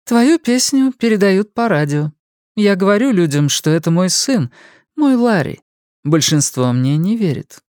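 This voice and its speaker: A male audiobook reader voicing a stern, disapproving older mother, raising his voice into a prim, sharp-tongued tone. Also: sits high, very animated, unhurried, no room sound, clean studio sound, voice pushed up. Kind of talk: audiobook character voice.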